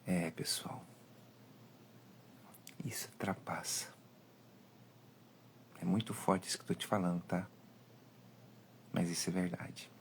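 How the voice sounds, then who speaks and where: Brasileiro enfático de voz grave. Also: male voice, deep voice, fairly even intonation, slow pace, long pauses, a little hiss or hum. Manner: emphatic, preachy, acts out dialogues. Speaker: live-stream host. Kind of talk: live monologue, advice talk.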